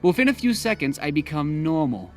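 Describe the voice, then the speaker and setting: Calm Singaporean man in his thirties. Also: a little high, fast talker, faint music behind. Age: 30s. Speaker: guest storyteller. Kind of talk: recounting a personal experience.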